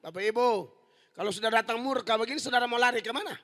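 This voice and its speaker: A man preaching a fiery sermon as pastor, forceful and humorous, sometimes rising to shouts. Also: very high voice, steady tone, rapid-fire. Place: large indoor church hall. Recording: long hall reverb in large church.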